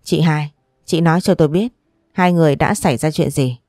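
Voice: medium pitch, brisk, darkish tone, no echo, clean studio sound, close to an everyday voice. A storyteller voicing a strict mother-in-law who lectures firmly. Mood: stern. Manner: firm and lecturing.

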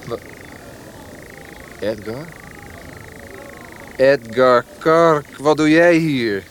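An actor playing an earnest, self-deprecating young poet in a radio play. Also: male voice, mid-range voice, lively intonation, very slow, a little hiss or hum. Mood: surprised, delighted. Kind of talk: Dutch radio play acting.

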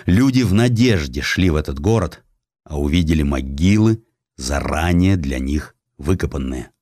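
Low-voiced man narrating history. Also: lively intonation, normal speed, a little mellow, dry recording, studio quality. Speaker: audiobook narrator. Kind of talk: scripted dramatic narration of a historical essay.

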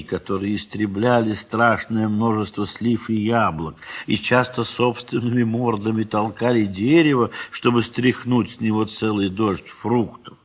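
A man narrating a classic literary story for an audio play, in an expressive, measured theatrical delivery that lingers on words. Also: fairly low pitch.

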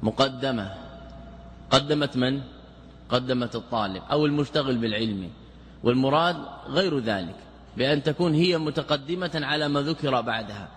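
A man's voice: medium pitch, lively intonation, a little hiss or hum. Man lecturing in a reverberant hall. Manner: deliberate, explanatory, repeats key words. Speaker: Islamic scholar teaching grammar. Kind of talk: classical Arabic lecture.

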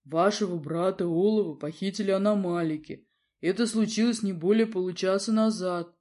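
A woman voicing an armored black bear warrior who announces news in a slow, formal manner. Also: mid-range voice, a little mellow, close to an everyday voice.

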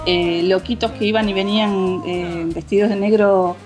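A woman's voice: medium pitch, steady tone, moderate pace, over music. A woman with an Argentine Spanish accent, co-hosting a casual chat and telling anecdotes with many hesitant restarts. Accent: Rioplatense Spanish. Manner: storytelling, hesitant with fillers and restarts. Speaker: co-host.

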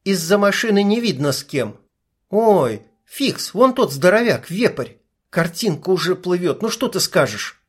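Male narrator doing a blunt young woman sniper for an audiobook; high voice, curt and impatient. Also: sing-song, a little slow, slightly rough, heavily acted. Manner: brash, clipped, swears. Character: tough young female sniper, blunt and tense.

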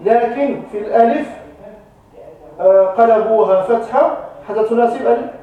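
A man's voice: very high-pitched, moderate pace, narrow, tinny audio. A man teaching a grammar class. He quizzes the students and repeats the key terms. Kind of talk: classroom lesson. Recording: echoey classroom, mic far off.

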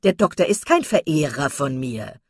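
A woman's voice: sits low, big pitch swings, moderate pace, husky, dry recording, heavily acted. A woman voicing a silly, vain young woman who talks in an affected, simpering way.

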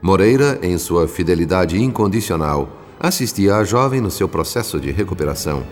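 A man's voice: low-pitched, expressive, moderate pace. A man with a Brazilian accent playing a solemn, reflective spirit narrator in a scripted radio drama. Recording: long reverb, music behind.

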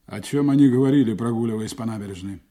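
A man's voice: medium pitch, fast, dark tone, close to an everyday voice. A man acting a cold, commanding spymaster in an audio drama, terse and unsentimental in his clipped speech. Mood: stern, controlled.

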